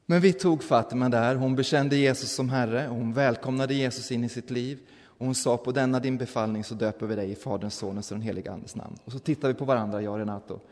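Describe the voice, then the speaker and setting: A man, a pastor, telling a story in a sermon in a relaxed, conversational way, often restarting his sentences. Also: medium pitch. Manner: conversational, with restarts and quoted voices. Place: church. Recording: church hall with long reverb.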